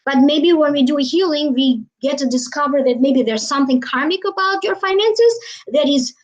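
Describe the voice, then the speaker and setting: A woman from Albania, talking casually on a live stream as a psychic reader, rambling with many fillers and trailing phrases. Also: high-pitched. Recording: dull lo-fi live stream audio.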